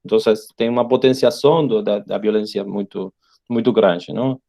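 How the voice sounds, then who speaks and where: A man with an Argentine Spanish accent talks in a soft-edged, mellow voice, mixing Portuguese and Spanish. He feels his way through sentences, repeating small words and often tagging a short question on the end. It sounds like an informal online lecture from a native Spanish speaker. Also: on the low side, gravelly. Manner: halting, repeats words searching for phrasing; often ends phrases with a tag question. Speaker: professor, guest lecturer.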